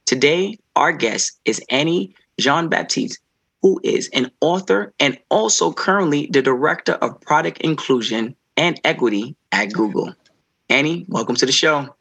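A man's voice: on the high side, lively intonation, normal speed, fairly bright tone, husky. A man hosting an interview podcast, asking questions in an encouraging, casual way with frequent affirming murmurs. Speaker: podcast host.

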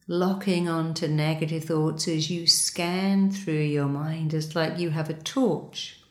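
Woman, meditation guide, low voice, unhurried soothing delivery, roomy echo. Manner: slow, soothing, repetitive instructions.

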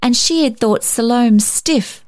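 A woman narrating a story from a script in an expressive storybook style. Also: on the high side, slow. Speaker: story reader.

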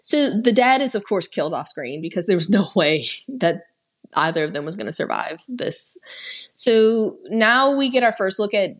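A woman's voice: mid-range voice, animated, normal speed, a bit bright. A woman co-hosting a podcast, recapping a horror movie in a chatty, sarcastic way and saying "like" a lot. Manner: chatty and sarcastic, heavy use of "like". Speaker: podcast co-host. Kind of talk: casual film recap.

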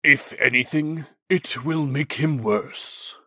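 Male narrator as grave shaman elder, fantasy audiobook, booming, slow, forceful, solemn, commanding, close dry sound. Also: slightly rough, no room sound, heavily acted. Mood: grave, firm. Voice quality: deep, booming.

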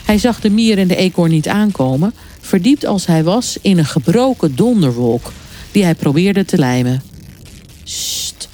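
A woman reading a children's story aloud in a calm, unhurried storytelling manner. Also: on the low side, slight background noise. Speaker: story reader.

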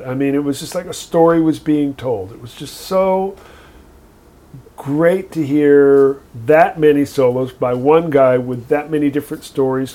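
A man's voice: fairly high pitch, warm tone. A man co-hosting a casual talk, speaking in a thoughtful, wordy way with dry humor. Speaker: podcast co-host. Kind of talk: casual conversation.

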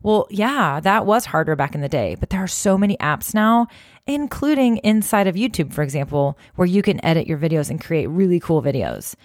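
Low-voiced woman giving friendly advice. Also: sing-song, brisk, dry recording, clean studio sound. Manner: encouraging, conversational, many "you know" fillers. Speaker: social media marketing host. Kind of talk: direct-to-camera advice talk.

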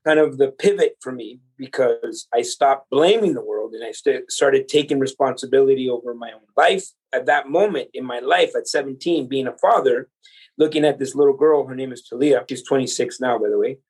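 A man's voice: medium pitch, slightly rough, low-quality recording. A man in his forties from El Salvador, a podcast guest telling his life story in an earnest, motivational way. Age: 40s. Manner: earnest, motivational, speaks to the listener directly. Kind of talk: conversational storytelling.

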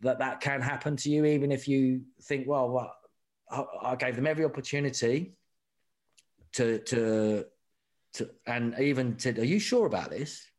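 Middle-aged bloke, coach, chatty storytelling, keeps restarting and saying mate, normal pitch. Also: male voice, normal speed. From England. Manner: animated, repeats words and restarts, says "mate". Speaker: rugby sevens coach, guest. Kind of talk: candid conversational storytelling.

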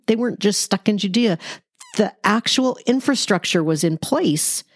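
A woman's voice: mid-range voice, animated, normal speed, breathy edge, dry recording, studio quality. A woman hosting a Bible study, explaining scripture conversationally in an explanatory, emphatic way. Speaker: Bible study podcast host.

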